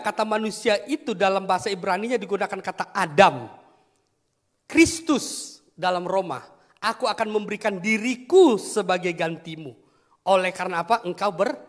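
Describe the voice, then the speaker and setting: Male pastor, 30s, high-pitched, animated storyteller, reverberant church hall. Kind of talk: sermon.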